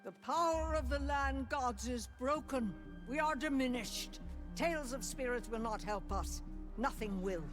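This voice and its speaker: An actor playing a bitter, despairing tribal elder in a video game, with a formal, bleak delivery. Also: male voice, very high voice, measured pace, music in the background.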